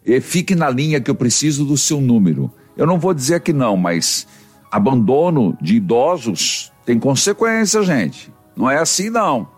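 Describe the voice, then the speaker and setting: A man's voice: mid-range voice, sing-song, moderate pace, breathy edge, soft background music. A man with a Brazilian accent, a priest hosting a religious call-in radio show, talking in a pastoral, exhorting way.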